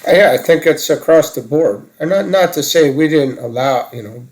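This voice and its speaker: A man's voice: on the high side, normal speed, darkish tone, low-quality recording. A man in casual discussion, hesitant and groping for his words as he puts questions and thoughts across. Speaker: conversation partner asking questions.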